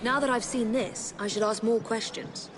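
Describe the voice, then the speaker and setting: An actress playing a determined heroine in a game, speaking in a clipped way. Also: female voice, on the high side, fairly even intonation, normal speed, noisy background, natural voice. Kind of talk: video game cutscene dialogue. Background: loud music.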